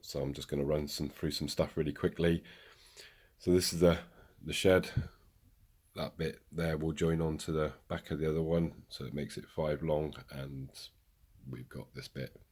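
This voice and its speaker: Recorded on a camera mic in his hobby room, a man chats about how his model railway is coming along, poking fun at himself and drifting into rambling asides. His voice rumbles low, slightly rough and a touch mellow, with a steady tone at a moderate pace.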